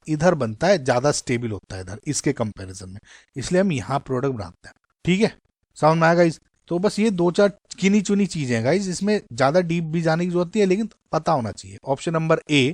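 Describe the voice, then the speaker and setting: A male chemistry teacher with an Indian accent works through exam questions in a relaxed, talk-to-the-viewer manner. His voice sits a little high for a man. It is recorded close to the mic in a dry space with no room echo. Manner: conversational, mixes English terms, addresses "guys".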